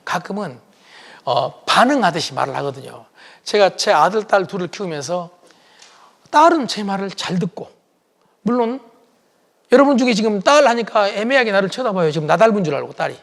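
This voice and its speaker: A middle-aged man giving a lively public lecture, acting out bits of dialogue and putting questions to the audience. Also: sits high, moderate pace, vocal fry, long pauses. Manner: acts out dialogue, quizzes the audience.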